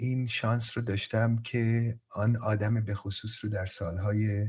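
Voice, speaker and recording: A man at medium pitch speaks with a monotone, flat intonation. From Iran, Mazandaran (Sari). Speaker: artist and translator. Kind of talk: interview.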